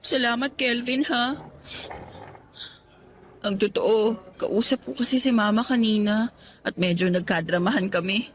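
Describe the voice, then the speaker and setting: A woman playing a sweet, homesick young worker in a radio drama, gentle, polite and earnest. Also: on the high side, steady tone, unhurried, pauses often, slight background noise, lightly acted. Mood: wistful. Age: young adult. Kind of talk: Tagalog radio drama acting.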